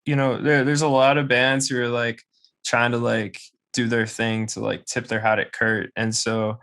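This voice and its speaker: A man's voice: medium pitch, little pitch movement, normal speed, vocal fry, fairly bright tone. A man co-hosting a podcast, rambling casually with lots of fillers. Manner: rambling, heavy use of "like".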